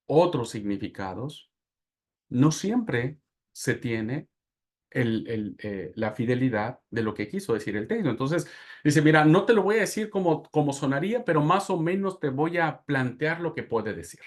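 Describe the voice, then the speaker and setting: A man from Mexico with a Mexican Spanish accent, teaching a Bible class and telling anecdotes in a lively lecture manner. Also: medium pitch. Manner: animated storytelling with laughs and asides.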